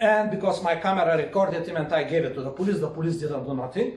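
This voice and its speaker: A man's very fast, animated speech in a Bulgarian accent, lively in intonation, with audible room echo and noticeable background noise. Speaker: self-defence instructor. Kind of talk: lecture.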